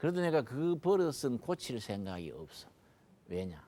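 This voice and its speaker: A man's fairly slow speech with very wide pitch swings, on a very clean recording with a silent background. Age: 60s. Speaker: pastor. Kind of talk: sermon. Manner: conversational storytelling.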